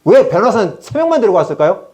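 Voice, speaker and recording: A man's voice: sits high, fast talker. A middle-aged male preacher giving a sermon at a prayer retreat, telling stories and often putting questions to the congregation. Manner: lively storytelling, asks the congregation questions.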